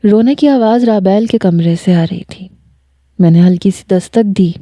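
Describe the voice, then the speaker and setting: A woman narrating a first-person story in a calm, measured reading. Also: medium pitch, dry recording.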